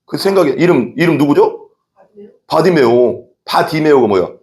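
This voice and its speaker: A man's voice: fairly high pitch, animated, moderate pace, a little mellow. A male pastor preaching an evening church sermon, telling the story with energy and often asking the congregation questions.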